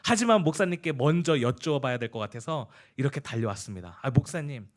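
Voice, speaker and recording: A male pastor telling a story in a sermon, with animated storytelling. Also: medium pitch, quick pace. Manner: animated storytelling with lively quoted voices.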